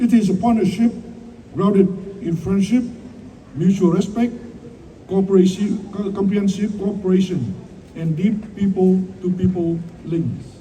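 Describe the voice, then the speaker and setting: A man's high-pitched voice with a Vietnamese accent, moderate pace, fairly even intonation, long and frequent pauses, and noticeable background noise. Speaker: ambassador. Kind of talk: formal speech. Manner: formal.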